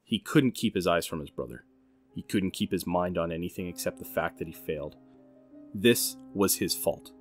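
A man's voice: low-pitched, moderate pace, soft background music. A man reading dramatic scripted narration as a narrator, intense and emphatic.

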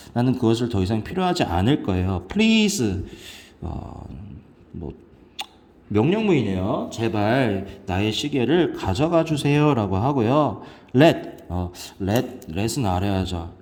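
Male English teacher walking through a textbook passage, low voice with lively jumps in pitch. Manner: lively, asks students questions and answers himself.

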